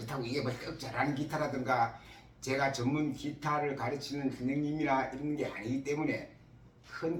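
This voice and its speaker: Noticeable background noise and audible room echo accompany a man speaking at a moderate pace with medium pitch. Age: 60s. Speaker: retired professional guitarist. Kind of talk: casual talk to camera. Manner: chatty.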